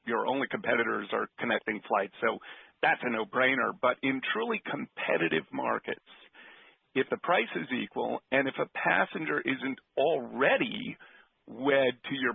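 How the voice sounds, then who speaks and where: A man's voice: medium pitch, creaky, breathy edge, dry recording. A man asking a question as a financial analyst on an earnings call, informal and rephrasing as he goes. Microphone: phone. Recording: narrow phone line, dry.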